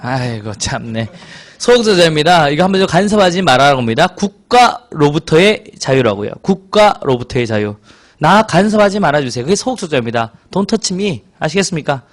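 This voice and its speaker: A man's voice: fairly high pitch, a little fast. A male exam lecturer teaching a class, teasing students and acting out little scenes in quoted voices. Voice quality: hoarse from excitement. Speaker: civil service exam social studies lecturer.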